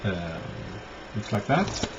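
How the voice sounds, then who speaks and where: A man giving a casual, unscripted show-and-tell as a collector, halting often and thinking aloud. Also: on the low side, very animated. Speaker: record collector presenting finds. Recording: dull lo-fi audio, clear background noise.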